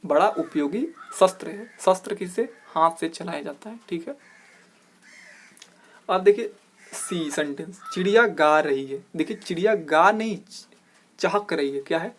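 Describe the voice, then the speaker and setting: A man teaching an exam-prep grammar lesson as host of his channel. He asks rhetorical questions, keeps saying "look here", and slows down to stress each corrected phrase. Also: on the high side, fairly bright tone, a little hiss or hum. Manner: explanatory, repeats "dekhiye", slows down to stress corrected words.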